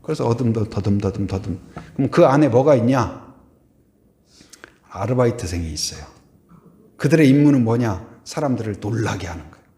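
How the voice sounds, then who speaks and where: Animated Korean pastor in an echoey hall. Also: male voice, mid-range voice, fairly quick, long pauses. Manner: asks the congregation questions, then answers them softly; swings from loud to very quiet, trailing off on repeated words. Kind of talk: sermon. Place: church sanctuary.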